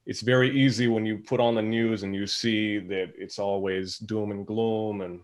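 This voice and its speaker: Male panel guest, somewhat low pitch, informal and tentative conversational delivery. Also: fairly even intonation, normal speed. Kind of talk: casual conversation.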